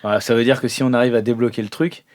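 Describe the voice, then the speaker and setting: A man with an average-pitched voice takes part in an improvised role-playing game. He speaks informally and a bit haltingly, switching between table talk and character lines. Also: fairly even intonation.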